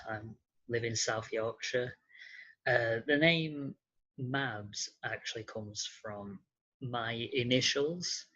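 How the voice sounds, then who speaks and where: A male voice in the late twenties, giving a personal account as a podcast guest in hesitant, halting phrases. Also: medium pitch, sharp tone, highs cut off.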